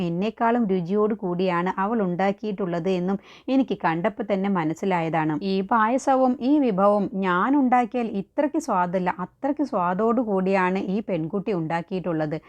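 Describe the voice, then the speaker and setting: A woman's voice: mid-range voice, darkish tone, dull audio, lightly acted. A woman voicing a stern, suspicious middle-aged mother who questions and scolds, within a story recap.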